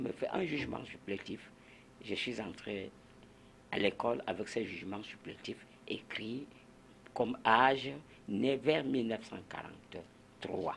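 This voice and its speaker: Lively in intonation yet very slow, a man with a medium pitch speaks with vocal fry and long, frequent pauses. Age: 70s. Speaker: veteran runner. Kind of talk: TV interview. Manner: halting.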